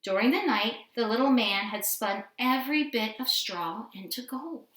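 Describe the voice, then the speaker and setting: Female children's storyteller, fairly high voice, expressive read-aloud, recorded in an echoey room. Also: normal speed. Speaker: storybook reader. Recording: roomy indoor echo.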